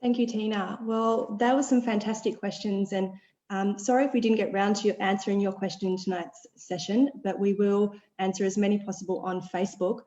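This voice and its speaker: A woman's voice: mid-range voice, steady tone, a little fast, warm tone, echoey room, dull audio. A woman hosting a webinar, upbeat, reading out audience questions and wrapping up. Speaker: webinar host.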